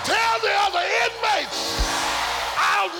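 A man's voice: extremely high pitch, slow pace, creaky, shouting. A man preaching a rousing revival sermon in a roaring, rallying way, exhorting the congregation with emphatic repetition. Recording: live sermon over music and crowd noise. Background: music and congregation.

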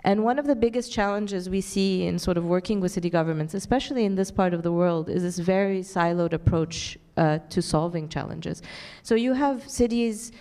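A woman on a panel explains her work at length, stopping for fillers along the way. Her voice is smooth and resonant. It has a mellow, low-set tone. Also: moderate pace. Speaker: NGO panelist. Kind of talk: panel discussion.

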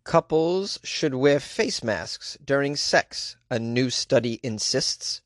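A man's voice: mid-range voice, expressive, slow pace, no echo, studio quality. A man hosting a comedy show, reading odd news stories aloud and mocking them with incredulous asides and laughter. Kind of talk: comic commentary on news stories.

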